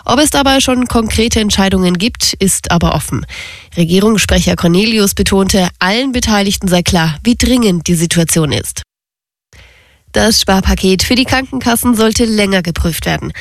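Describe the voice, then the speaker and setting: A woman's voice: medium pitch, moderate pace, no echo. A woman reading scripted radio news as a newsreader in a studio.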